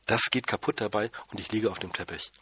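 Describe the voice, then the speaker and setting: A man's voice: lowish voice, fast talker, sharp tone, muffled recording, slight background noise. A man reading a children's story aloud in the first person, in a plain, childlike manner. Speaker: audiobook reader.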